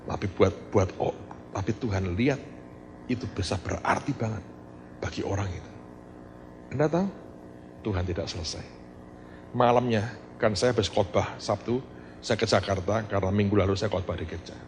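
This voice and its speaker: A middle-aged male pastor telling stories in a sermon, animated and addressing the congregation directly while acting out the voices he quotes. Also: on the low side, moderate pace, long pauses, a little hiss or hum. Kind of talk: sermon storytelling.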